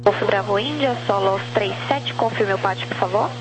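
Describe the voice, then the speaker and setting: A woman's voice: mid-range voice, moderate pace, noisy background. A woman working as a tower controller, giving brief, courteous instructions in clipped phraseology over aviation radio. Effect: aviation radio transmission.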